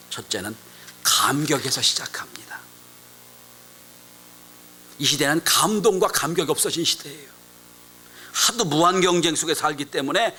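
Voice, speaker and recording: A man delivers a sermon as a pastor, in a bright, forceful voice. He tells a story with dramatic swings, rising suddenly loud for emphasis and dropping to hushed asides. A faint hiss and hum sit beneath the recording. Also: a little high, poor audio.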